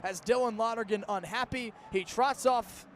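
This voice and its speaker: High-pitched young male play-by-play announcer. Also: moderate pace. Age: early 20s. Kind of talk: live American football radio commentary. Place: outdoor stadium broadcast position.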